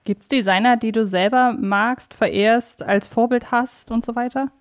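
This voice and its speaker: A woman's voice: a little high, fairly even intonation, normal speed. A woman asking conversational questions as a podcast interviewer.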